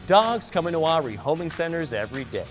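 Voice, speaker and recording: A man's voice: fairly high pitch, big pitch swings, fast, over music. Man as a bouncy American talking dog. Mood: chirpy. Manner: upbeat, bouncy. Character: chirpy, cheeky talking dog mascot. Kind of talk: charity advert presenting.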